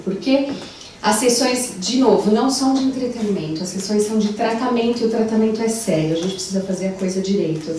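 A woman's voice: fairly high pitch, a little hiss or hum. Brazilian woman lecturing in an echoey hall. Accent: Brazilian Portuguese. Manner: animated, gestures while walking the stage. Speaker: psychologist giving a lecture. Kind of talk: conference talk. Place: large wood-panelled lecture room. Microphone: handheld mic, far camera. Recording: echoey room recorded from far off.

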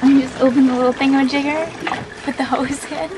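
A young woman sailor talks casually to a handheld camera in a fairly high voice. Loud boat and open-air noise surrounds her as she narrates life on board. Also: fairly even intonation, brisk. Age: young adult. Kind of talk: casual self-filmed video diary. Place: aboard a small sailboat.

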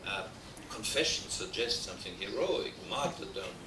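A man's voice: lowish voice, expressive, normal speed, over a noisy crowd. Older Austrian man lecturing with dry humor. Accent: Austrian German. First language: German. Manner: discursive, frequent hesitations, dry humor. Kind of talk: academic lecture. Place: wood-paneled lecture hall. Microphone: desk mic on stand. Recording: roomy, distant, noisy VHS transfer.

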